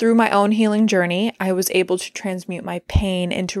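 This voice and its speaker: A plain, everyday voice, a woman of medium pitch with ordinary pitch variation, in a dry, close sound with no echo. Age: 20s. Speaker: podcast host and psycho-spiritual coach. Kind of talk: solo podcast monologue. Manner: casual, filler-heavy.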